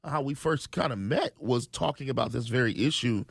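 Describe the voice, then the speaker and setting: A man's voice: mid-range voice, normal speed, gravelly, slightly rough, no room sound. A man, a guest in a radio studio, talking earnestly and restarting his sentences often. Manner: earnest, many ums and restarts. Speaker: state legislator guest. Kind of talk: conversational radio interview.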